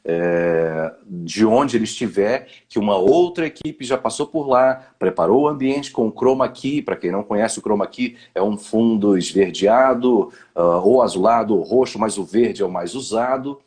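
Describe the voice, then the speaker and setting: A man with a lowish, husky voice. He talks in a didactic way, handing out tips on speaking as short commands and ending phrases with a tag question. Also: moderate pace, hardly any pauses, darkish tone. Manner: didactic, gives advice in short imperatives with many "né?" fillers. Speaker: guest speaker on public speaking. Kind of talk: live online conversation.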